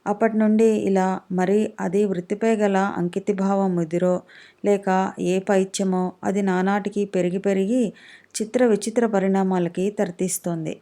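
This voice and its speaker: A woman's voice: medium pitch, steady tone, normal speed, dark tone. A woman reading a humorous short story aloud as an audiobook narrator, lightly acting out the dialogue.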